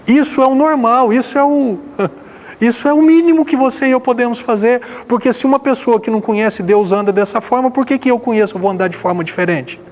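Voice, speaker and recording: A man preaching a sermon as pastor, firing rhetorical questions and swinging between loud emphasis and hushed passages. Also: very high voice, fairly quick.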